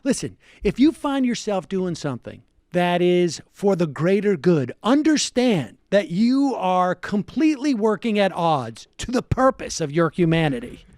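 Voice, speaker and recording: A man with a slightly high, animated voice talks casually on a comedy show. He is sarcastic and halting, with a dry, close sound. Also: no echo. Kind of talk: casual comedic panel chat.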